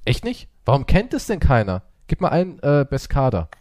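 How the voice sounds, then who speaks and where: A man chatting casually and teasingly, with an animated, expressive way of talking. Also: mid-range voice, moderate pace, dry recording, clean studio sound. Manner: teasing, playfully mocking. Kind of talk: casual banter.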